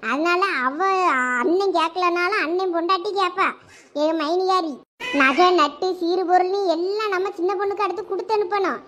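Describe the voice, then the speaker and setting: A woman's voice: very high voice, moderate pace, fairly bright tone. A woman voicing a short-tempered, sarcastic village wife in a cartoon, scolding and complaining in a Thoothukudi Tamil accent. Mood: insistent. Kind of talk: dialect cartoon family comedy dialogue.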